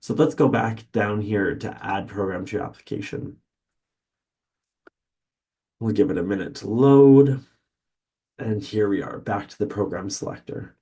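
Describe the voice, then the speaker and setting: A man, an admissions presenter walking viewers through an online form in a relaxed, explanatory way, with frequent ums. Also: fairly low pitch, a little slow, long pauses. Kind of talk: screen-share webinar walkthrough. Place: university office in Canada.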